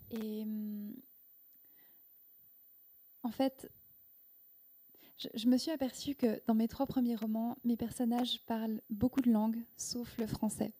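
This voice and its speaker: Guest author, woman in her thirties, Korean as first language; higher-pitched but very warm, mellow tone, handheld mic, halting reflective delivery. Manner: thoughtful, halting, with many restarts and fillers. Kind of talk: reflective interview answers. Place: indoor event room with audience. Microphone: handheld microphone.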